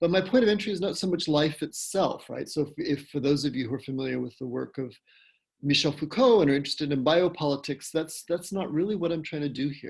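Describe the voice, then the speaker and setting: A man talks at a very fast pace in a somewhat breathy voice. His pitch is fairly high, with ordinary pitch variation. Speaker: professor of international relations. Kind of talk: academic talk over video call. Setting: video call. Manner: hesitant, repeats words.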